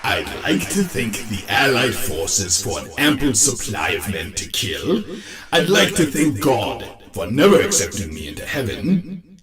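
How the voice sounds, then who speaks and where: Sardonic war villain, mid register, animated but unhurried, mocking orator in a reverberant hall. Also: male voice, medium pitch. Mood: mocking, gloating. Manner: slow, mocking, grandiose speechifying. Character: grandiose, sardonic male war-villain known as the Beast. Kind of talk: villain speech in audio drama. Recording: echoey hall, loud music behind.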